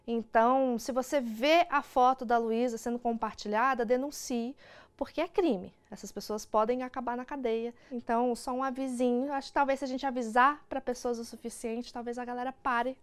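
A woman's voice: on the high side, steady tone, moderate pace, clear, resonant tone. A young Brazilian woman hosting an online news show, giving casual, opinionated commentary to camera. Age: young adult. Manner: informal, opinionated. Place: indoor studio.

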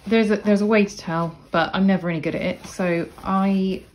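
A woman explaining sewing steps in a casual, chatty tutorial voice-over, with relaxed asides. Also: medium pitch, moderate pace, rough recording. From Cornwall, England. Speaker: sewing instructor. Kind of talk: casual step-by-step tutorial narration.

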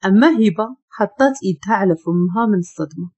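A woman with a Moroccan accent narrating a scripted story in a calm, steady way. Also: medium pitch, fast, slightly rough.

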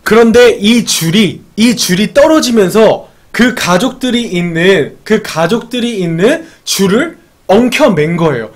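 A man's voice: sits high, animated, a little slow, hardly any pauses. A man teaching English in a casual live-streamed lesson, explaining a film scene, repeating lines and asking his audience questions. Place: home streaming setup.

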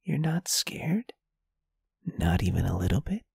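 A performer voicing a shy, gentle, lovestruck ghost in an ASMR roleplay, in a breathy, soft, hesitant and tender whisper. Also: medium pitch, very animated, unhurried, no room sound, studio quality. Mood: teasing. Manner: bashful, tender, hesitant, intimate. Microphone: close microphone, dry.

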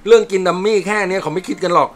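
Man putting on a brash loud soldier. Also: high voice, racing, voice pushed up. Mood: bickering. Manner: loud, coarse, bickering. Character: brash, cheeky male soldier, loud and quarrelsome.

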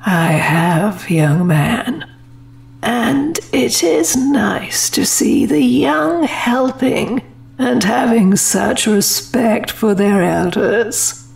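A woman's voice: fairly high pitch, expressive, drawn-out words, creaky, darkish tone, exaggerated voice. A woman playing a wealthy, genteel elderly lady in an audio drama, sweetly patronizing and gracious. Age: older.

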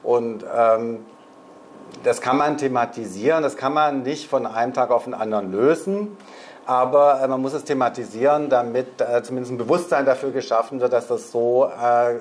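A man on a discussion panel speaking in a measured way into a handheld mic. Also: mid-range voice. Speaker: panel guest.

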